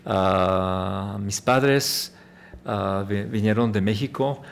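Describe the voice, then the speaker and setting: A low-voiced American man answers slowly in halting Spanish. He hesitates often and drops in English words. He is a native English speaker from Chicago. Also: gravelly. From Chicago, USA. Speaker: watch company founder, guest. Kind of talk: interview answers.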